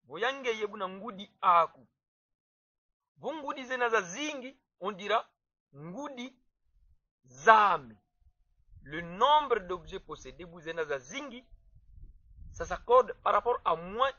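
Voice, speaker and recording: A man gives a grammar lesson in a high, bright voice, taking his time over each point. He repeats words to drive them home. The recording is dry and a little dull. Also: animated, no echo. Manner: slow, deliberate, repeats words to stress them. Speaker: language teacher. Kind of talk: explaining grammar to viewers. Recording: dull, slightly muffled dry sound.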